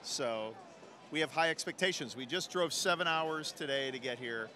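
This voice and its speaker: A man's voice: mid-range voice, moderate pace, sharp tone. A man from the United States visiting a festival, talking enthusiastically in short, clipped phrases. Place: outdoors on a city street.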